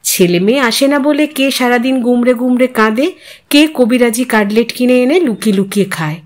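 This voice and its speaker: Female audiobook narrator, higher-pitched voice, for expressive literary short fiction. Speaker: audio story narrator and channel host.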